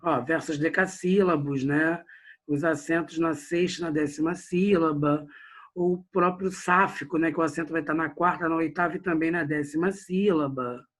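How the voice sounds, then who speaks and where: A man's voice: on the high side, fairly even intonation, moderate pace, a bit bright. A Brazilian man teaching a literature class online, chatty and addressing his students directly. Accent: Brazilian Portuguese.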